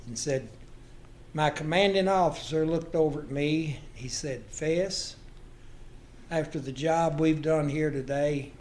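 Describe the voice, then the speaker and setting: An older man with a slightly high-set voice tells folksy stories. He takes his time, breaking the tale into short phrases with pauses between them. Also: darkish tone, a little hiss or hum. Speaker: guest storyteller. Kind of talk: folksy anecdotal storytelling.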